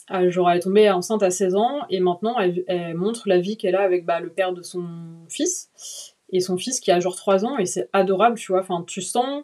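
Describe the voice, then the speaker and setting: Speaking at a fairly quick pace, a woman has a dark, mellow tone, a medium pitch and ordinary pitch variation. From Paris suburbs, France. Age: 20s. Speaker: freelance journalist. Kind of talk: casual chat.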